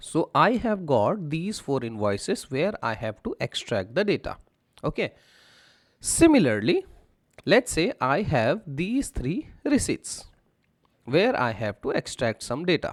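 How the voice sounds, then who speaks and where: On a very clean, dry and close recording with no echo and a silent background, a man with a fairly high pitch and vocal fry swings his pitch very widely. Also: fairly slow pace. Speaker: software tutorial creator. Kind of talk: tutorial.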